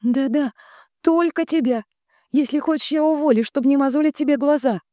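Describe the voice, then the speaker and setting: A woman voicing a gushing, two-faced younger sister who speaks in a high, sugary, effusive way. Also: fairly quick, warm tone, no echo, clean studio sound, close to an everyday voice. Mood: tearful.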